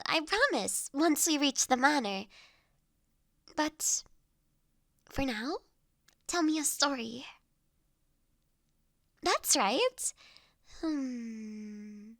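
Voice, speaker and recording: A woman acts out a genteel noblewoman with a high, bright voice and slow, measured delivery. She speaks formally, with poised authority and a kindly touch, letting phrases trail off softly. It is a close, dry audio roleplay recording. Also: no echo, heavily acted. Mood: teasing, gentle. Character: refined young noblewoman, mine overseer, poised, authoritative yet kindly. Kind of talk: scripted audio roleplay addressed to listener.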